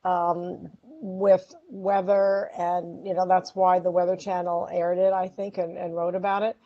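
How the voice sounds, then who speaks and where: A woman's voice: lowish voice, little pitch movement, a little slow. A woman guesting on a video-call panel chat, talking in an upbeat, chatty way. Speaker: guest, podcast host and ESG consultant. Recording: dull lo-fi audio.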